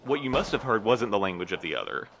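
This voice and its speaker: An actor playing a guarded, weary postmaster in an audio drama, speaking in a careful, slightly formal, measured way. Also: male voice, on the low side, sing-song, gravelly, noisy background. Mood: defensive, earnest. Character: guarded, weary postmaster man, evasive but courteous. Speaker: actor in a fiction podcast.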